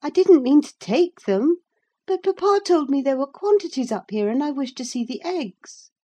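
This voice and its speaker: A woman voicing an excitable young lady, speaking high and pleading. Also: moderate pace. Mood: indignant. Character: lively eager girl, young lady of the manor.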